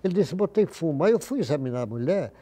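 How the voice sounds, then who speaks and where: An older man recounts his doctoring stories in an easy, anecdotal way, slipping into other people's voices as he quotes them. His voice sits a bit high yet sounds mellow and relaxed. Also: fast talker, husky. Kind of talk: casual storytelling interview.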